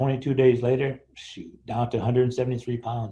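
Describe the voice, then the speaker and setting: Somewhat breathy and dark, mellow in tone, a man with an American accent talks at a moderate pace. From Nebraska. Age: 60s. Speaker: probation officer and trainer. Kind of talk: recorded talk. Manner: conversational, with many fillers and repetitions.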